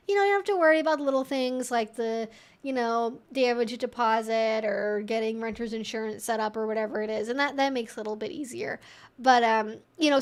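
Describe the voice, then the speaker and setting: A woman hosting a casual Q&A, giving conversational advice in an informal, rambling way with frequent asides. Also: on the high side. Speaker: livestream host and relationship educator answering viewer questions.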